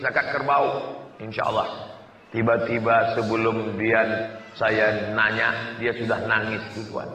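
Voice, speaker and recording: Animated preacher, bright echoing voice. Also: male voice, medium pitch. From Riau, Indonesia. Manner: animated, acts out dialogue, jokes with the audience, sudden shouts. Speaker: preacher and university lecturer. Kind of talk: lively sermon with storytelling. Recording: echoey hall, voice from far off.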